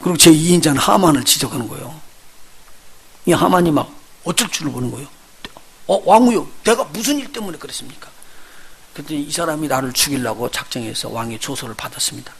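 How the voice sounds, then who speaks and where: A male pastor preaching a sermon, telling the story with lively, acted-out voices and putting questions straight to his congregation. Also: a little high, gravelly. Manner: lively storytelling, acts out the characters he retells; addresses the congregation directly with questions.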